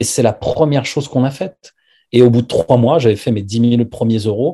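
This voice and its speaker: Against a quiet background, a man is speaking. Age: 40s. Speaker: life coach and speaker. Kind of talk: casual interview.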